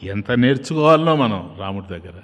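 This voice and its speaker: A male preacher giving a devotional sermon, retelling an epic with animated storytelling and acted-out characters. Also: fairly low pitch, fairly quick, lo-fi sound. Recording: long hall reverb.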